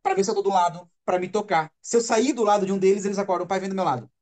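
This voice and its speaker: A man's voice: sits high, fast talker, a little mellow. A Brazilian father giving a live stream talk, earnest and emphatic, repeating words to stress his point. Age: adult father. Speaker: speaker on autism parenting. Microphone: webcam or phone on a live stream.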